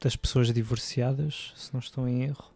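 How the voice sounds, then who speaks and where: A man from Portugal with a European Portuguese accent, co-hosting a podcast in casual chat and speaking in a measured, mild way. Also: medium pitch, steady tone, gravelly, darkish tone, no room sound. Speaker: podcast co-host.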